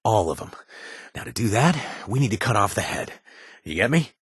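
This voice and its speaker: A man's voice: on the low side, sing-song, moderate pace, breathy edge, no echo, studio quality, full character voice. An actor playing a nervous, wisecracking male raider companion in a video game, who rambles, jokes and corrects himself mid-sentence. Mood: wry chatty. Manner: rambling, self-correcting, jokey. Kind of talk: game character voice lines.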